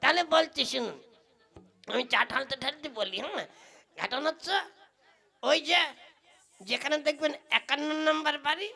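A woman's voice: high-pitched, expressive, moderate pace, vocal fry, long pauses, bright, forceful tone, heavily acted. A woman playing a cheeky, greedy male tea seller who stalls and teases in an exaggerated comic puppet play. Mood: teasing, stalling. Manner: exaggerated, teasing, long-winded.

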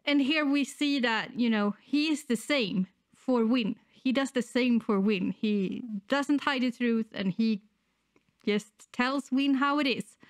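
A woman's voice: a little high, no echo. A middle-aged woman who is sick and slightly wheezy, chatting casually and hesitantly to camera as a reaction channel host, close on a desktop microphone. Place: indoors, small room at home.

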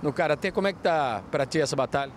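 A male reporter with a Southern Brazilian accent, asking quick, chatty questions in an outdoor street interview. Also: fairly high pitch, a little hiss or hum. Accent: Southern Brazilian Portuguese. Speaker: field reporter.

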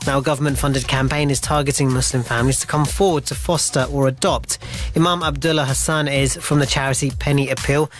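A man's voice: medium pitch, steady tone, fairly quick, faint music behind. A man reading a scripted radio news bulletin. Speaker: newsreader.

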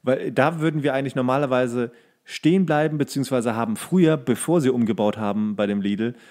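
A man's voice: medium pitch, fairly quick, darkish tone. A man co-hosting a comedic podcast, talking in a casual, slangy and colloquial way. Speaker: podcast co-host.

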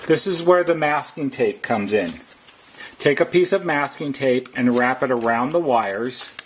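A man's voice: mid-range voice, measured pace, a little hiss or hum. A man narrating a step-by-step how-to as a technician, explaining plainly and methodically. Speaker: repair technician giving instructions.

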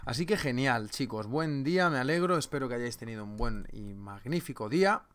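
Joking trading seminar host. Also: male voice, mid-range voice, a bit bright. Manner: joking, banters with chat, reads names aloud. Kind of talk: live webinar, greeting chat viewers.

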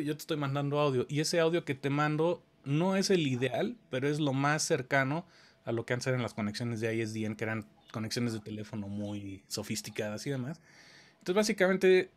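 A man's voice: medium pitch, fairly quick. A man, teaching in a casual conversation and explaining dubbing work patiently, often checking whether his listener follows. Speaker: audio engineering teacher.

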